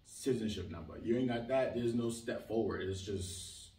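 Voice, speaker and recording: A young man from Israel, talking casually as an interview guest, animated and emphatic, with lots of "like". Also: lowish voice, normal speed, crowd noise. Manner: animated, emphatic, leans on filler "like". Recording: roomy sound, mic at a distance.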